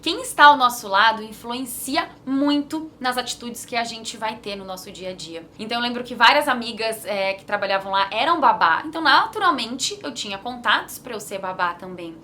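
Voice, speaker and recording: A woman's voice: on the high side, animated, normal speed, hardly any pauses, bright, forceful tone, a little hiss or hum. A Brazilian woman in her thirties talking casually to camera about her work, chatty and earnest with frequent fillers. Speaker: vlogger and digital business mentor.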